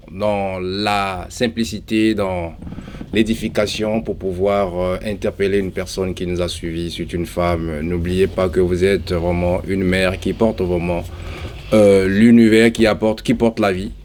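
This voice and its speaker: A man's voice: lowish voice, a little mellow, slight background noise. A man hosting a church interview, speaking hesitantly with many fillers. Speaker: host and interviewer.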